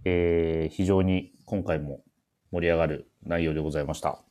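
A man's voice: deep voice, steady tone, moderate pace, darkish tone. A man hosting a casual radio-style talk, bantering and teasing his co-hosts. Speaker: show host, MC.

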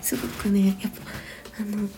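A mother in her thirties whispering a long, rambling story, gentle and full of small fillers and soft laughs. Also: mid-range voice, flat delivery, moderate pace, noisy background.

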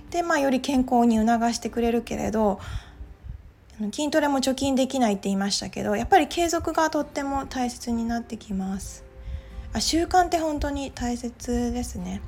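A woman's voice: on the high side, vocal fry, a little mellow. A woman talking casually on her own podcast, chatty and full of little fillers as she goes. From Japan. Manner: chatty, many filler "well"s. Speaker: podcast host. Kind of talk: casual monologue.

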